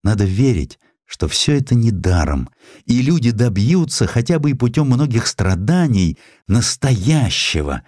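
A man voicing a dying young student's earnest, resolute farewell letter in an audiobook, solemn and measured. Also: mid-range voice, sing-song, darkish tone, no echo, studio quality, voice pushed up.

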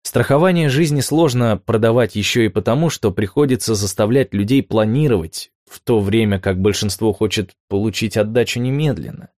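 A man narrating nonfiction in a measured, clear storytelling manner, posing rhetorical questions along the way. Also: lowish voice, darkish tone, no echo, studio quality. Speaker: audiobook narrator.

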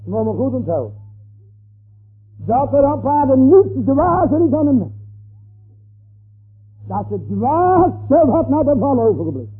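A man preaching a slow, emphatic sermon, repeating his phrases for weight. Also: very high voice, very animated, breathy edge. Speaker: pastor. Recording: tinny lo-fi old sermon tape.

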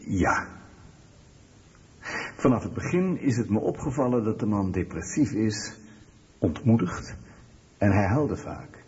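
An actor playing an earnest doctor in a radio drama, speaking gravely and deliberately about a patient. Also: male voice, on the low side, expressive, darkish tone. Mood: grave, reluctant. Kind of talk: Dutch radio documentary drama acting. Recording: echoey hall, distant muffled sound.

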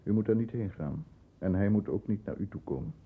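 A composed, formal lawyer in a sixties Dutch radio drama, with a low voice and very dark, soft-edged tone. He speaks measured Netherlands Dutch with deliberate care, and the sound is clean-toned and resonant. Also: slightly rough. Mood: controlled, probing. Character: composed middle-class lawyer, protective older brother, narrating. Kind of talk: 1960s Dutch radio play, first-person narration and dialogue.

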